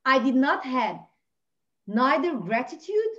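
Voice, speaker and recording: A woman's voice: sits high, big pitch swings, takes it slowly. A middle-aged woman from Lebanon, English not her first language, telling her personal story as an interview guest in an impassioned, emphatic way. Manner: impassioned, emphatic, swings between loud and hushed. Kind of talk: emotional personal testimony. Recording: dull lo-fi audio.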